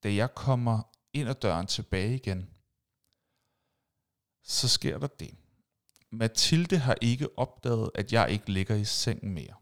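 A man's voice: on the low side, expressive, pauses often. A man hosting a podcast, telling personal stories in a casual chat and acting out screams and sound effects. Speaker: podcast host.

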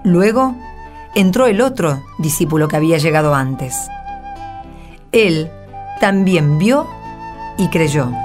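An Argentine woman reading scripted narration in a measured, solemn manner. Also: low voice, expressive, music in the background. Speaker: narrator and Gospel reader.

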